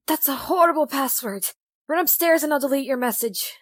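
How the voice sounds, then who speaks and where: A woman's voice: high-pitched, expressive, normal speed. A woman playing a blunt, practical android girl in an audio drama, with matter-of-fact delivery. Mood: dry, bossy.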